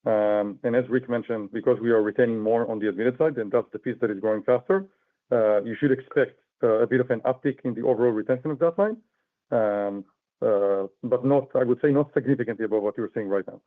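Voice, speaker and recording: A man's voice: mid-range voice, a little fast. A man speaking as a company executive, giving unscripted answers on an earnings call. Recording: narrow phone-like conference call line.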